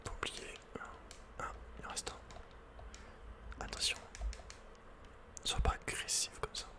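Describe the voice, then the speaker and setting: Whispering man, ASMR game commentary. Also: slow pace. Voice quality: breathy, unvoiced whisper. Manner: playful, casual, slangy. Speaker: video game streamer and ASMR creator.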